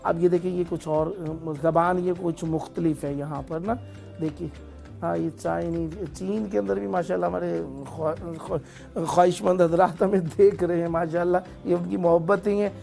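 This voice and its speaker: Soft music plays under a high-pitched, warm male voice with vocal fry and a steady tone. He runs a live TV call-in show, blessing callers as he thanks them, explaining things on air, and occasionally mangling foreign place names.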